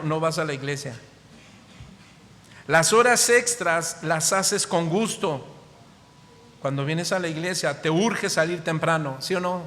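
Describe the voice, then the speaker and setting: Mexican pastor preaching, bright fairly high voice, lots of questions to the crowd, big church echo. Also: male voice, a little hiss or hum. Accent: Mexican Spanish. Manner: rhetorical questions to the congregation, emphatic rises. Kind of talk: sermon. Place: church hall. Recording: long church hall reverb.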